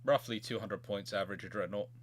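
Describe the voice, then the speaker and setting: A man hosting a casual live question-and-answer chat, halting and musing aloud as he goes. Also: fairly low pitch. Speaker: host of a naval history Q&A chat show.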